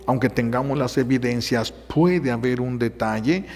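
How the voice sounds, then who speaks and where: A priest preaches in a relaxed, conversational manner, stumbling through fillers and slipping into voices for the people in his stories. His voice sits at a middle pitch for a man, and a long reverb trails every phrase as in a large church. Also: moderate pace. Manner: conversational, hesitant fillers, acts out quotes. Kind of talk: sermon.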